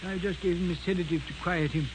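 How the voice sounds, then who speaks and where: A calm, cautious ship's doctor played by a man in 1940s radio style. His voice is notably high for a man. Steady hiss runs through the old broadcast recording. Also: fast talker, natural voice.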